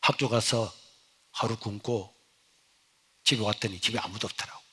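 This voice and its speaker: A middle-aged male pastor with a Gyeongsang accent, telling a lively story in a sermon. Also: fairly low pitch, moderate pace, breathy edge. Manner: animated, storytelling. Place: church sanctuary. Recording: echoey church hall.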